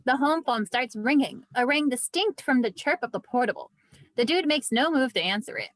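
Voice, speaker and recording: A woman's voice: high voice, animated, normal speed, fairly bright tone, no room sound, low-quality recording. A woman narrating stage directions from a script at a table read.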